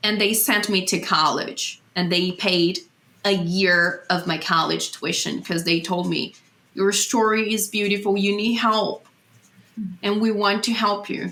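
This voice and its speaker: With a Brazilian Portuguese accent, a woman talks at a fairly slow pace. Her pitch is medium and her intonation fairly even. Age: 30s. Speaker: former activist turned pro-life speaker. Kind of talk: interview testimony. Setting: podcast interview. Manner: halting, with fillers and self-corrections.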